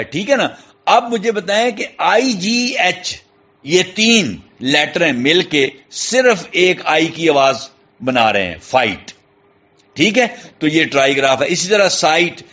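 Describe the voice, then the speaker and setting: A man's voice: fairly high pitch, bright, forceful tone. A man with a Pakistani Urdu accent teaching an English lesson, spelling words out letter by letter and repeating key points. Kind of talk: classroom lesson explanation. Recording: dull, muffled lo-fi sound.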